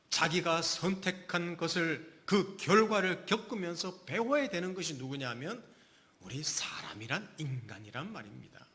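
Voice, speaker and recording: A man's voice: fairly high pitch, fairly bright tone. A middle-aged man, a pastor, delivering a sermon with emphatic rhetorical questions to his congregation.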